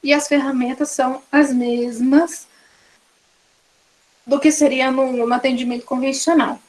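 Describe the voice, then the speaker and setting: A woman with a Brazilian Portuguese accent delivers an online course lecture. Her voice sits high for a woman. She explains each point by listing one example after another. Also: steady tone, measured pace. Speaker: course instructor.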